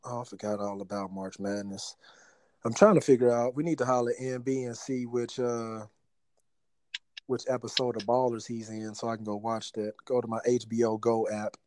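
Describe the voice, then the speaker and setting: A man in his thirties co-hosting a casual podcast, joking and bantering in relaxed slang. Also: mid-range voice, moderate pace, dry recording. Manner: laid-back slangy banter with laughs. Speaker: podcast co-host. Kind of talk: casual chat.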